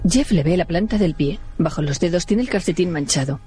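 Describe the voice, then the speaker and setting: A man reads audio description for a film in a plain, measured, neutral manner. His voice is fairly high, with faint music under it. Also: warm tone.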